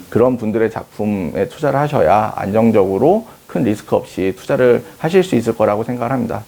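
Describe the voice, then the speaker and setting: A man in his thirties, a company head, answering interview questions in a measured, explaining way with frequent hesitation fillers. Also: mid-range voice, mellow. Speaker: company CEO interviewed on art investment.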